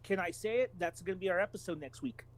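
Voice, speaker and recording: A man's voice: high-pitched, fast talker. A man co-hosting a podcast, explaining his opinions analytically in casual, stop-and-start phrases. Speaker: podcast co-host.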